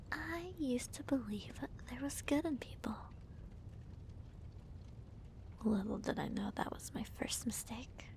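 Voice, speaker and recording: A smug villainess acted out by a woman whispers her gloating monologue in an ASMR roleplay. She draws each phrase out slowly and teasingly, in a breathy, fairly high feminine voice with a theatrical air. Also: rough recording. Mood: bitter, cold. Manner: slow, deliberate, teasing, theatrical.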